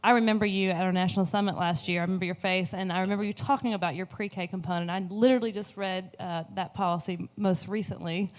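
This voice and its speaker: A woman's voice: mid-range voice, steady tone, quick pace, hardly any pauses. A woman panelist answering an audience question emphatically and affirmingly.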